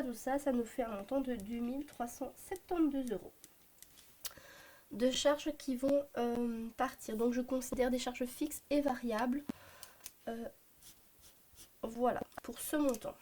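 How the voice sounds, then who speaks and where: A Belgian woman in her thirties talks through her family budget at home, her voice a little hoarse from a cold. She is chatty and hesitant, leaning on fillers as she thinks aloud. Her tone is mellow but pitched a bit high, with faint background hiss. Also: steady tone, unhurried. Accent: Belgian French. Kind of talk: casual talk to camera. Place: home at a desk, morning.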